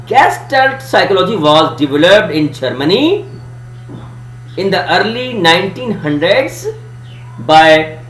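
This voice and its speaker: A man with a South Asian accent, a native Urdu speaker, delivers a lesson as a presenter. His voice sits high and swings widely as he stresses key terms in a didactic way. The room is echoey around him. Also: a bit bright. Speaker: student presenter giving a lesson. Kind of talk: educational presentation. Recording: echoey room, faint hum and hiss.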